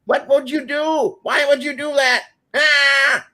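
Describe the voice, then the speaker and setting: A man with a high-pitched voice holds forth as a panel guest. His phrasing is emphatic and mock-grand, with a theatrical comic bent. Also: flat delivery, slow, pushed and bright. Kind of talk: theatrical comic ranting and chat.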